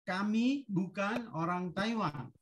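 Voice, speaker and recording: A woman teacher reads out short drill sentences at a very slow pace. Her delivery is deliberate and instructional, leaving each phrase ready to be repeated. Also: mid-range voice. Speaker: language teacher. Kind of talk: language drill, reading short sentences for repetition.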